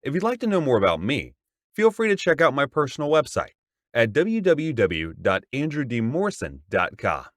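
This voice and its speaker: A man's voice: mid-range voice, huge pitch swings, normal speed, dry recording, clean studio sound. A man hosting a podcast, reading his opening introduction in an upbeat announcer manner. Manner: upbeat announcer read, then soft, quiet interjections. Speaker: podcast host. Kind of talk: scripted intro then interview.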